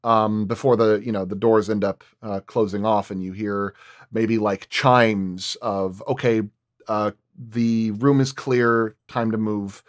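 A man's voice: fairly low pitch, fairly even intonation, slow pace, no echo, studio quality. A man working as a sound designer explains his craft in detail in a roundtable discussion.

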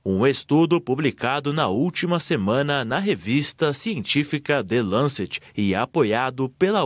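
A man with a Brazilian Portuguese accent reading a scripted news report in a steady, measured way. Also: medium pitch, no echo.

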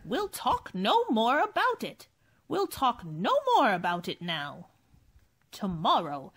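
A woman's voice: mid-range voice, very animated, slow, husky, exaggerated voice. A woman playing an evasive, insistent old aunt in a radio horror drama. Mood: soothing, evasive. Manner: insistent, repeating phrases. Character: eerie, evasive old aunt, coaxing and snappish. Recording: music behind the voice.

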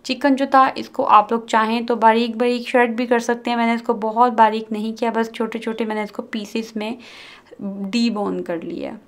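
A woman host narrating a cooking video, calmly explaining each step and mixing in English words. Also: on the high side, moderate pace. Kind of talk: recipe voice-over narration.

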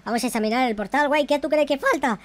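An excitable, bossy, slangy gamer bantering through a Minecraft roleplay. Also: sits high, quick pace, heavy background noise. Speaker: gaming video host. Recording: music under the voice. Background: music.

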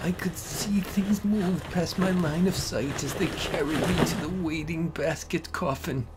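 A woman giving a dramatic first-person horror narration in a theatrical, anguished, deliberate manner. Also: on the low side, background noise. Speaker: amateur story narrator. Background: music.

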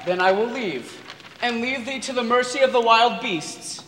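Seeking young male actor as dramatic young nobleman: declamatory, very high, bright, Shakespeare in echoing hall. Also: normal speed. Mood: scornful. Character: disdainful, dramatic young nobleman in love tangle. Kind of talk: staged Shakespeare reading. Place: stage in large auditorium. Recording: echoey hall, faint noise.

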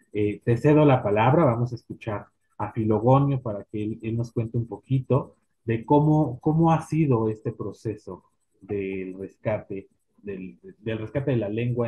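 A man's voice: fairly low pitch, breathy edge. A man in his thirties hosting a formal interview for a cultural institute over a video call, hesitant with many "eh" fillers. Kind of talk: formal live interview host. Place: small home room. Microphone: earphone mic on video call. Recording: tinny phone-like video call line.

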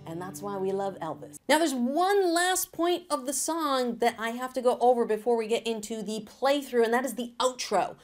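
Upbeat alto lady teaching guitar at home, kinda high voice, guitar strumming right under her. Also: darkish tone. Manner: upbeat, encouraging, talks straight to camera. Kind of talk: guitar lesson, talking and singing along. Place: home studio room, indoors. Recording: acoustic guitar playing under the voice.

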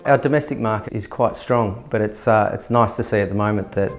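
A man, speaking as a winemaker in a filmed interview, measured and dotted with fillers. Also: on the low side. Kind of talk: documentary interview. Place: indoor winery tasting room. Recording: music bed underneath.

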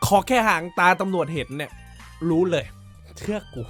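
A man's voice: a little high, a little fast, fairly bright tone, soft background music. A male host casually reacting to viral clips, exclaiming often, swearing freely and laughing along.

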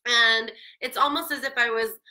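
A woman voice teacher leading a vocal warmup lesson, singing meows that climb higher and coaching in a chatty, encouraging way. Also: fairly even intonation, moderate pace, low-quality recording. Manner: demonstrates sung meows sliding ever higher.

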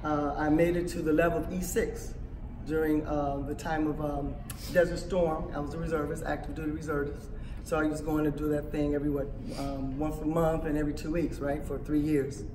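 A raspy-voiced woman, animated and emphatic, telling her story on a panel and laughing often. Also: sits low, fairly quick, hardly any pauses, echoey room, distant mic, background noise. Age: 50s. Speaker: panel speaker, veteran author. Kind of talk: conversational storytelling. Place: small indoor room at a conference.

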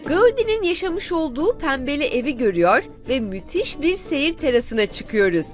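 A woman hosting a travel show, guiding viewers through an outdoor park in an enthusiastic, chatty way. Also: high-pitched. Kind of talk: travel show presenting, part narration.

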